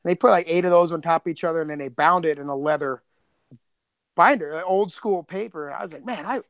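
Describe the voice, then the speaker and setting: High-pitched smooth-voiced man chatting casually. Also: fast, a bit bright, dry recording. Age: middle-aged. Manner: rambling, slangy, joking. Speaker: podcast co-host and co-creator. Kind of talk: casual chat.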